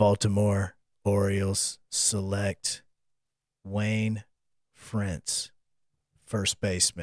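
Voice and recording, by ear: In a put-on robotic character voice, a man talks very slowly at a fairly low pitch, flat and monotone, with long, frequent pauses.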